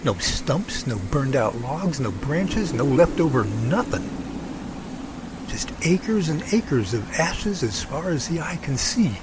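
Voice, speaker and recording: Guy playing a nervy earnest young guy in a homemade radio drama, really expressive pitch, noisy recording. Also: takes it slowly. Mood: bewildered. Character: earnest 27-year-old male survey worker, anxious and bewildered. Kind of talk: amateur radio drama acting.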